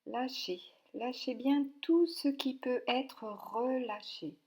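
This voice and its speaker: A woman leading a guided yoga nidra relaxation, speaking calmly and softly with long pauses between short instructions. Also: sits high. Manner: calm, soothing, with long pauses.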